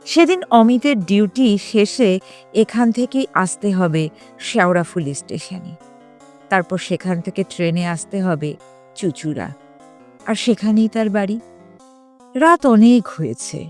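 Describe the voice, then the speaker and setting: A woman reads a story as dramatic, suspenseful narration, in measured phrases broken by pauses. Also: medium pitch, a little mellow. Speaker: storyteller reading a ghost story. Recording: music behind the voice. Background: background music.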